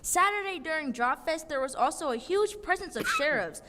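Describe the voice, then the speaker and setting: A young woman speaks at a city council meeting, her comments impassioned and accusing. Her voice sits fairly high. It rings with the long reverb of a council chamber. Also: lively intonation, moderate pace, background noise. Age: young adult. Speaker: public commenter. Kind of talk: prepared public comment.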